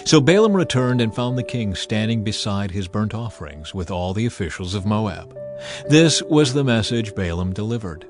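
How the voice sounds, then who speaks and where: A man's voice: on the low side, very animated, normal speed. A man giving a solemn, scripted dramatic narration of scripture as a storyteller. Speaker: narrator of a dramatized audio Bible. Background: background music.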